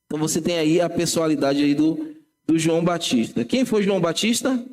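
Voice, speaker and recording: A man's voice: a little high, fairly quick, darkish tone. A man with a Brazilian Portuguese accent, a pastor teaching a Bible class in church, talking conversationally and correcting himself as he goes. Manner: conversational, self-correcting, addresses congregation directly.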